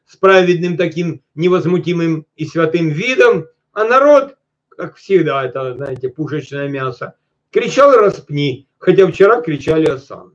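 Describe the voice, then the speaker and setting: A male preacher with a fairly high voice, caught on a dull, lo-fi recording. He reads scripture slowly, stops to speak straight to his listeners, then rushes on in quick everyday asides. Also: expressive. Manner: often addresses listeners directly. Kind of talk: sermon.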